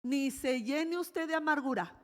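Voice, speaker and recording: A woman pastor with a Mexican accent preaching a sermon, lively, with laughing asides and sudden exclamations. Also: high-pitched, unhurried. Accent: Mexican Spanish. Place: church hall. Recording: long hall reverb.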